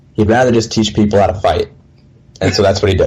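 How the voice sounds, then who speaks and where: In an American accent, a man talks with a fairly low pitch and a dark, mellow tone that sounds somewhat breathy. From US Midwest, Minnesota. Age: 20s. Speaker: kickboxing coach. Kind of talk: interview.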